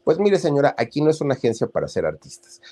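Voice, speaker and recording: A dismissive female secretary with a Mexican accent, cutting callers short in a raised, impatient voice, as a male narrator puts her on. Her delivery is clipped and brusque, with a dark undertone. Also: mid-range voice, huge pitch swings, quick pace, pitched above the performer's own voice.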